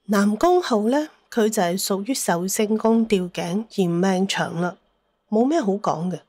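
A woman's voice: mid-range voice, a little mellow, no room sound. A woman telling a dramatised story as an audiobook narrator, with a Cantonese accent.

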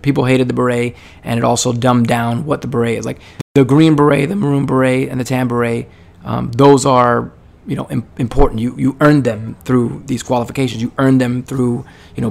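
Gravelly man telling army stories. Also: medium pitch. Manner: rambling, many fillers and restarts. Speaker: podcast host; army veteran. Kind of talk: casual storytelling monologue.

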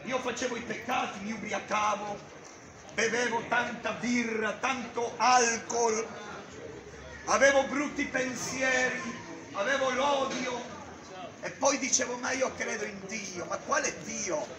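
On a busy town street, a middle-aged man preaches loudly in the open air, declaiming and gesturing with a Bible. His voice is very high, steady in tone, and measured in pace. A distant camera films him, and the street echoes with crowd noise and passers-by.

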